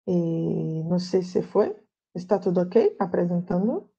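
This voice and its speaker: A woman's voice: lowish voice, steady tone, unhurried, vocal fry, warm tone, husky. A Brazilian woman whose first language is Portuguese, giving an academic lecture in Spanish and searching carefully for her words. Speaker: guest lecturer.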